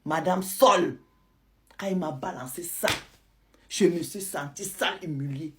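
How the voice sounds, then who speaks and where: A woman, telling a listener's story to her audience in a lively, dramatic way. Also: lowish voice, unhurried, background noise. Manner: lively, retells a follower's account in first person. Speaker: storyteller host.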